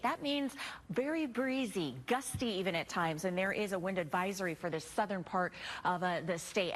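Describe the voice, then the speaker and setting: Chatty American woman presenting morning news. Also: mid-range voice. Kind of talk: live newscast, partly ad-libbed forecast.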